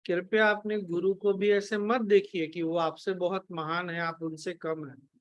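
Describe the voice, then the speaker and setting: A man leads a spiritual question-and-answer session in a firm, lecturing way and brushes objections aside. His voice sits high for a man. The sound is close and dry. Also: little pitch movement, measured pace, dry recording, muffled recording. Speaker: spiritual teacher.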